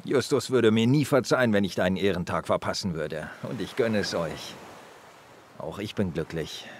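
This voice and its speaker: An actor playing a weary but tender police inspector in a radio crime drama, speaking calmly and gently. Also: male voice, fairly low pitch, normal speed, slight background noise, close to an everyday voice. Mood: warm. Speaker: inspector Anton Jäger.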